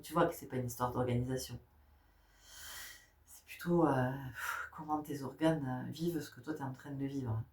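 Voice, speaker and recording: A woman's voice: a bass voice, vocal fry, darkish tone. A middle-aged woman with a stuffy nose from a cold, giving a casual spiritual talk that speaks directly to listeners and often breaks into laughter. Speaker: spiritual guide. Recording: roomy sound, distant mic.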